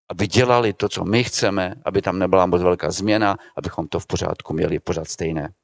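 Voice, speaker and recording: A man preaching a sermon to a congregation, putting rhetorical questions to his listeners and swinging between loud, emphatic lines and quiet asides. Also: lowish voice, dry recording, clean studio sound.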